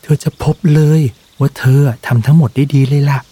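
A man voicing a small, loyal mouse who earnestly urges a friend on, raising his pitch, with a husky tone. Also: steady tone, moderate pace, dark tone, no echo. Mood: encouraging. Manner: earnest, urging.

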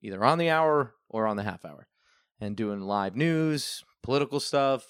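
A man's voice: mid-range voice, expressive, moderate pace, clean tone, dry recording. Chatty young man, dry close mic. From Northeastern US. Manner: chatty, laughs often, rambling storyteller. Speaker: TV news reporter, guest. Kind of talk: casual podcast chat.

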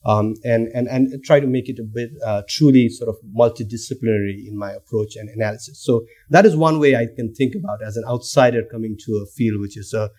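A guest lecturer from Nepal, a researcher in his thirties, talks briskly with hardly any pauses in a darkish, medium-pitched voice. Though thoughtful, his academic conversation contains many fillers and restarts.

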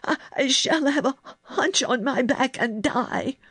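A woman's voice: a little high, expressive, measured pace, a little mellow, slightly rough, no echo, pitched above the performer's own voice, exaggerated voice. A woman voicing a spoiled, sickly young boy in a storybook, whining and fearful with dramatic flair. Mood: hysterical, choked.

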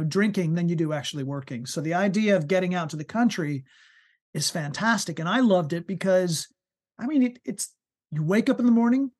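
A man with a high voice, a musician telling stories in a casual interview, animated and full of fillers and restarts. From United States. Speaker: musician guest.

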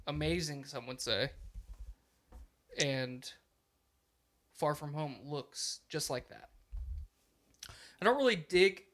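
A young man hosting a podcast, chatting casually with crude, deadpan jokes. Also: a little high, takes it slowly, pauses often. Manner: joking, crude, deadpan asides. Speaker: podcast host.

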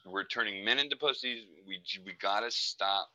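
A man's voice: fairly low pitch, normal speed, a loud crowd, poor audio. A man in his late thirties talking emphatically in a casual podcast chat, peppering his lines with "dude" and "man.". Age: late 30s.

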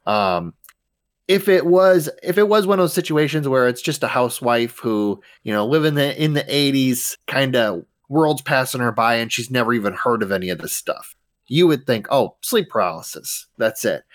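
Animated joking male podcast co-host. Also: mid-range voice, moderate pace. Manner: joking, animated, swears freely. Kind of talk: casual chat.

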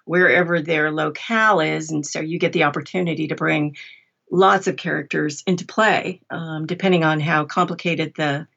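Female interview guest, lower register, reflective conversational delivery, somewhat lo-fi sound. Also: fairly even intonation, moderate pace, gravelly, a bit bright. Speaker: audiobook narrator, interview guest.

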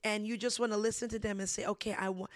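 A woman hosting a casual faith discussion, telling stories with lively animation and frequent laughs. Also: mid-range voice, fast talker, no room sound, studio quality. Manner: animated storytelling, laughs often. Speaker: ministry host.

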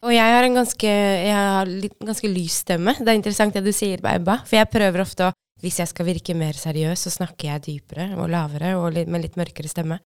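A woman's voice: on the low side, fairly even intonation, few pauses, clean tone, no room sound, studio quality. A woman guest chatting thoughtfully about how she uses her voice. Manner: reflective, thoughtful. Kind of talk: casual chat.

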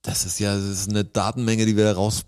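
Low-voiced joking podcast co-host man. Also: flat delivery, brisk, a little mellow, smooth. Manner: joking, banters and teases. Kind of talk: casual chat.

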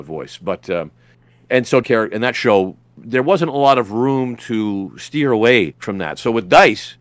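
A man's voice: lowish voice, a bit bright, no room sound. A man, a voice actor guest on a podcast, telling rambling anecdotes with lots of restarts and fillers. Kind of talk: casual podcast interview.

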